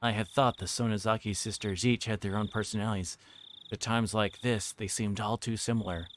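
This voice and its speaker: A man's voice: lowish voice, steady tone, fairly quick. A man reading a visual novel aloud on a livestream, narrating with occasional stumbles over words. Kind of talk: livestream read-aloud narration with character voices. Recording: clearly noisy background with clicks.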